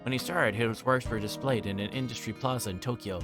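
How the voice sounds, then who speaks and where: A man's voice: medium pitch, fairly quick, over music, close to an everyday voice. A man reading the part of a casual, slightly awkward teenage boy in a visual novel, in a plain, offhand way.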